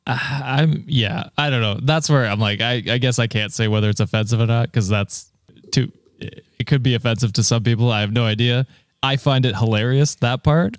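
A man's voice: medium pitch, a little fast, no echo. Laid-back man with a dry, close voice. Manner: rambling, laughs often, swears casually. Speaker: podcast co-host. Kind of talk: casual chat reacting to a post.

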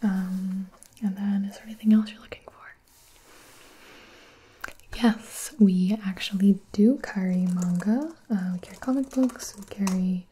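Woman as friendly young librarian for a whispered role-play: very mellow library whisper, unhurried and casual. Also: mid-range voice, fairly even intonation. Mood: helpful, friendly. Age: 20s. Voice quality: breathy. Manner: soft-spoken library whisper, gentle and casual. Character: friendly, chatty young female public librarian helping a new patron.

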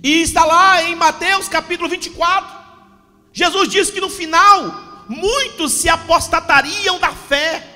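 Preaching a fiery Pentecostal sermon, this forties-aged pastor uses a very high, bright, forceful voice that frequently climbs to a shout, at a slightly slow pace over soft background music. His handheld mic picks up long reverb from the church hall, which has a stage backdrop.

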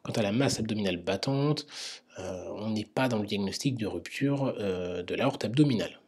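Husky man teaching a medical quiz. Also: lowish voice, moderate pace, a little mellow. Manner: explanatory, many hesitations. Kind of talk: quiz-style medical lecture.

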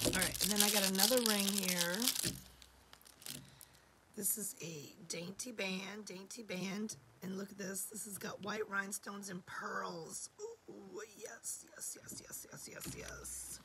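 A woman in her forties hosting a live jewelry sale from a home studio, hoarse from losing her voice and often dropping to a whisper, chatty and affectionate. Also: mid-range voice, slow pace, heavy background noise. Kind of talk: live-stream sales chat.

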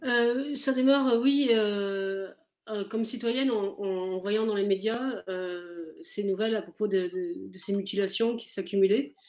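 A woman's voice: medium pitch, unhurried, darkish tone, echoey room. A woman in her forties, an author answering interview questions over a video call, earnestly thinking aloud with frequent fillers. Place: indoor room with a window. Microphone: webcam on a video call.

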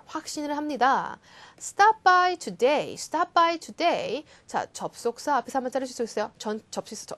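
A young adult woman who is a native Korean speaker, teaching an exam-prep English lesson, coaxing students and drilling English lines slowly for them to repeat. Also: high voice. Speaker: English speaking test instructor.

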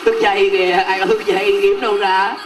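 A man's voice: high voice, level tone, quick pace. A young man with a southern Vietnamese accent hosts a game show on stage, teasing people and hyping the crowd. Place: outdoor evening banquet stage. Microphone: handheld microphone. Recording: loud music, live PA at outdoor event.

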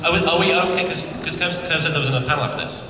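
A playful, excitable man bantering casually as a panelist at a convention, picked up from far off in a large hall. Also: a little high, racing. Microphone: table mic, heard through far camera. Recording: echoey hall from far off, noisy crowd.

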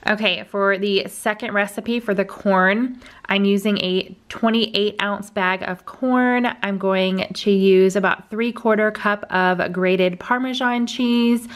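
A woman's voice: medium pitch, steady tone, slow pace. A young woman hosting a casual cooking vlog from her home kitchen, talking to viewers in a chatty, upbeat way. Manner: chatty, upbeat, addresses viewers as y'all and guys. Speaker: cooking vlogger. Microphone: camera at close range.

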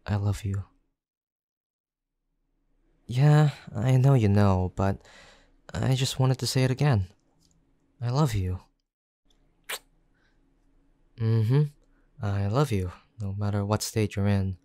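A caring young boyfriend played by a man in intimate roleplay audio. His voice is fairly low, mellow and soft. He talks slowly and affectionately, with gentle teasing aimed at his girlfriend. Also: dry recording. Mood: loving.

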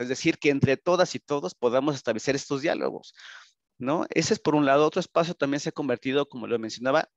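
A man with a Mexican Spanish accent giving a conference presentation over a video call, speaking haltingly with frequent tag questions. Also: mid-range voice, dry recording. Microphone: video call, computer microphone. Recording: dull, lo-fi video call audio.

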